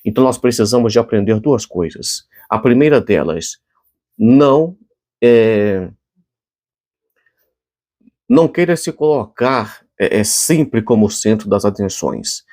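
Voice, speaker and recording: A man with a Brazilian Portuguese accent gives a short devotional sermon in a conversational way. His voice sits a little low, and he talks earnestly, often restarting his sentences and pausing on fillers before he closes in prayer. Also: lively intonation, a little mellow. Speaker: preacher.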